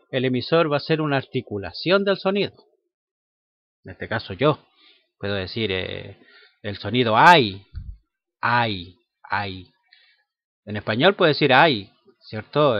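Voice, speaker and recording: A man teaching a grammar lesson in a slow, halting way, with many fillers and tag questions. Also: mid-range voice, no echo. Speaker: language teacher. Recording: dull lo-fi sound.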